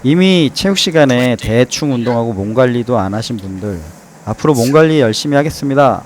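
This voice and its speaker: A man's voice: mid-range voice, lively intonation, fairly quick. A man giving a casual explanatory voice-over, playfully dramatizing and posing rhetorical questions as he goes. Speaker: host and narrator, former pilot trainee.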